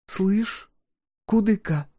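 A practical, sharp-tongued peasant woman, as a male reader puts her on, speaks in a brisk, scolding half-whisper. The voice is lifted well above the reader's own and stays dark and warm. It is an audiobook figure with a lively, bouncing lilt. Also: high voice, no echo, studio quality, pitched above the performer's own voice.

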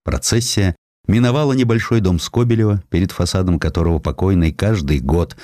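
A man reading a historical sketch as an audiobook narrator, in an expressive, dramatized storytelling manner. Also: sits low, fairly quick, dry recording, studio quality. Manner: expressive storytelling, voicing quotations.

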